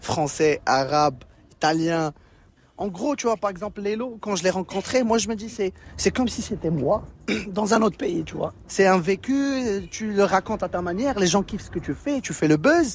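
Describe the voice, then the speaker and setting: A man's high-pitched voice carries lively intonation at a moderate pace. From Morocco, Casablanca. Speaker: rapper. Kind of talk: interview.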